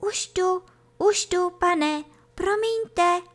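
A tiny male slow-worm with a weak, high little voice, as a woman puts it on. He is meek and quick to apologize, a small creature from a children's storybook. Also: lively intonation. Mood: frightened. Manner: faint, apologetic. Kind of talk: storybook reading.

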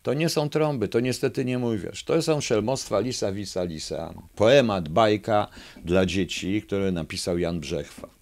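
Low-voiced man reading verse to an audience. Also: moderate pace, vocal fry. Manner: hesitant asides with fillers between lively readings. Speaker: speaker reading a poem to an audience.

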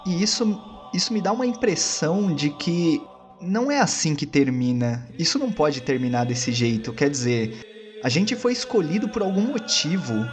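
A man improvising dramatic first-person narration as a role-play player, reflective, in short phrases with pauses. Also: on the high side, animated, faint music behind.

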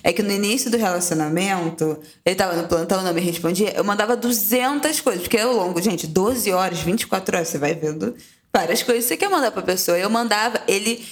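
A woman's voice: medium pitch, fast talker. A woman co-hosting a podcast, chatting casually with friends and telling confiding stories. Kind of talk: casual chat among friends.

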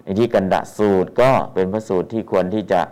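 A man with a low, smooth and clear voice teaches the chanting of Pali scripture. He talks his students through the rhythm, repeating short phrases again and again, and breaks into chanted verse to show them how it goes. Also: fairly even intonation, fast, warm tone.

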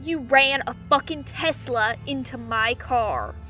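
A stubborn young runaway siren with a high voice and an unhurried pace. The delivery is blunt and emotional, in audio drama style. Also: female voice, bright, forceful tone, soft background music, full character voice. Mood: wary.

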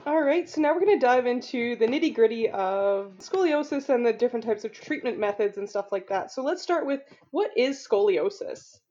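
A woman's voice: a little high, lively intonation, moderate pace, hardly any pauses, mellow, highs cut off. A woman hosting a casual interview, reacting and asking questions in chatty, informal language. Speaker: interviewer, host.

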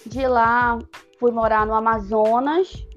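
A woman, chatting casually as a guest author in an interview, explaining things in an animated way. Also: on the high side, slow pace, muffled recording, soft background music. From Pará, northern Brazil.

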